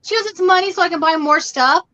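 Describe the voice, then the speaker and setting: A middle-aged woman hosts a casual livestream from her bedroom, her voice high and bright. She talks loudly and animatedly, rambling through anecdotes with quoted dialogue. The sound is dull and lo-fi. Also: fast talker. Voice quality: loud, animated storytelling voice. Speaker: livestream host. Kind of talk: casual chat. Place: bedroom at home.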